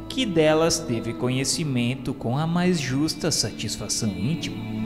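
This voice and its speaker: A Brazilian man reading a scripted radio narration in a solemn, formal, measured way. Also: medium pitch. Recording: long reverb, music behind the voice. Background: music.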